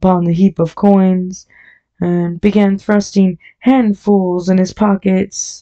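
The clip has a natural reading voice over a quiet background.

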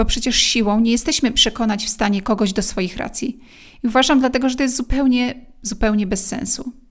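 A woman with an ordinary speaking voice talks at a fairly quick pace, her fairly high pitch held in fairly even intonation. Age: 30s. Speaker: podcast host. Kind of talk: solo reflective monologue.

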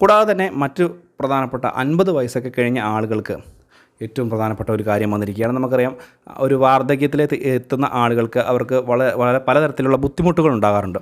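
In a very clean recording with a silent background, a man has an unremarkable speaking voice, a medium pitch and ordinary pitch variation. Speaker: YouTube news vlogger. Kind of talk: news explainer monologue.

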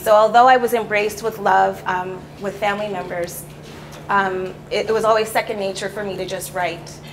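A woman speaks at a fairly quick pace in a monotone, flat delivery, with faint music playing behind her. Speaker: life coach and author; life coach. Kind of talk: interview. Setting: stage with audience. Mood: warm, reflective. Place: studio.

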